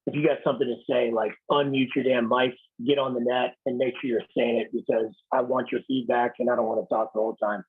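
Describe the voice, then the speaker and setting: A raspy-voiced man in his thirties, a military officer giving a blunt, casual leadership talk over a video call. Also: medium pitch, flat delivery, quick pace, few pauses, phone-quality sound. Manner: blunt, casual, swears lightly. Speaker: Marine Corps officer speaking to a unit.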